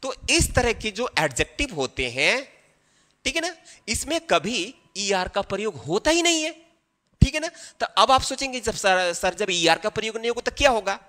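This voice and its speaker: A male teacher gives a grammar lesson in a high, bright voice that swings widely in pitch. He explains each step slowly and keeps checking that his students are following. The sound carries a long, ringing reverb. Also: big pitch swings. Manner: explanatory, often checks in with the listener.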